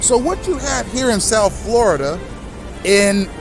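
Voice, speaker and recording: A man in his thirties with a notably high voice speaks directly to his audience in an impassioned monologue. His tone is accusatory and emphatic, and he slows down to lean hard on key words. Soft music plays faintly in the background. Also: lively intonation, low-quality recording. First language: English. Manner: accusatory, emphatic, slow deliberate stresses. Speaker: host.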